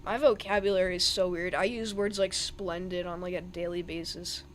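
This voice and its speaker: A man's voice: high voice, fairly even intonation, moderate pace, a bit bright, a little hiss or hum. Rambling young man narrating radar live. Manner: rambling, thinking aloud over radar. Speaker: weather streamer. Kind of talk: live-stream weather commentary.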